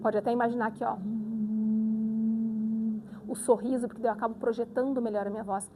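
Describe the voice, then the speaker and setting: A woman speech therapist giving a live lecture with voice exercises, animated and demonstrative, often checking in with the audience. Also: on the high side, fast, very noisy.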